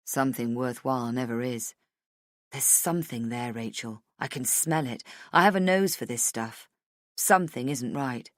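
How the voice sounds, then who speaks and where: Dogged male journalist, acted by a female narrator, low and calm, measured delivery, audiobook dialogue. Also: no echo, studio quality. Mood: intent, convinced.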